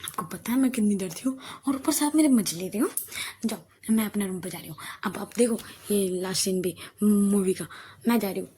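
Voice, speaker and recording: A woman's voice: medium pitch, brisk, long pauses, dark tone, slight background noise, natural voice. A woman voicing a timid young female student who scares easily, speaking in a whiny, pleading way.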